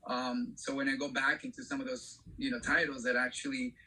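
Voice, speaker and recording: A middle-aged man from Venezuela, an actor speaking as a panel guest in a halting way, with many fillers. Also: medium pitch, very animated, sharp tone, a little hiss or hum, poor audio. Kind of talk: panel discussion.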